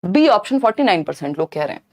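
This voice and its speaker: A woman teacher giving a live online exam-prep lesson, explaining lively and often checking in with her viewers. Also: medium pitch, rapid-fire. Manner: mixes Hindi with English terms.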